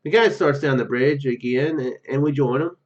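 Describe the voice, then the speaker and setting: A man's voice: mid-range voice, moderate pace, lo-fi sound. A man reading a visual novel aloud and commenting casually, often stumbling over his words. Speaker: gaming YouTuber.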